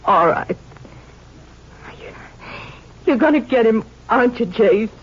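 Woman acting grieving small-town widow, gentle, folksy, hesitant, gracious, old radio western, dull vintage recording. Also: a little high, expressive, moderate pace, background noise, lightly acted. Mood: sorrowful. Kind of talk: 1950s radio drama acting.

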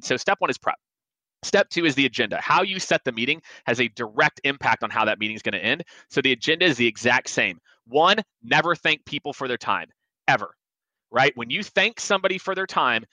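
A man's voice: mid-range voice, sharp tone, dry recording. A man in his forties, a sales expert guest on a podcast, giving emphatic advice and acting out quoted lines. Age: 40s.

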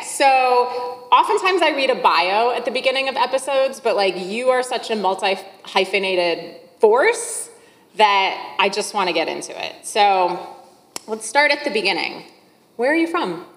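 A woman's voice: fairly high pitch, animated, measured pace, fairly bright tone. A woman hosting a podcast, speaking in an encouraging, emphatic way. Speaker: podcast host. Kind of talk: scripted monologue, then conversational interviewing. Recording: echoey hall-like reverb.

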